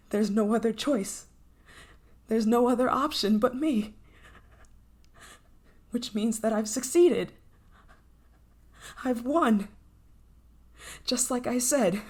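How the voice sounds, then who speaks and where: A woman playing an obsessive, menacing scientist in an intense, possessive ASMR roleplay. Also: a little high. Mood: possessive, triumphant. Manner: intense, pleading, possessive, dramatic pauses. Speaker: voice actor in audio roleplay.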